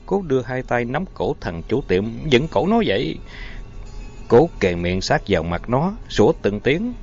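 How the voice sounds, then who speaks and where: Man narrating a story expressively. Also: medium pitch. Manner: expressive, dramatic reading. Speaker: audiobook narrator. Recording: dull lo-fi audio, faint music.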